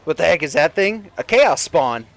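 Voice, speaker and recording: A man giving informal, halting, sometimes profane commentary while livestreaming a video game. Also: on the high side, expressive, creaky. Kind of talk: casual gameplay commentary with lore asides. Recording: game music behind the voice. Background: video game music and sound.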